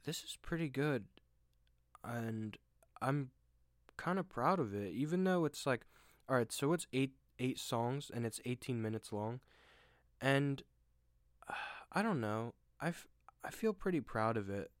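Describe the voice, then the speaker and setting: A young man hosting a solo podcast, rambling and self-deprecating with lots of fillers and restarts, with a deep voice. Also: lively intonation, unhurried, long pauses, dry recording, clean studio sound. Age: young adult. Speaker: podcast host. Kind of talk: casual solo monologue. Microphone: desk microphone at home.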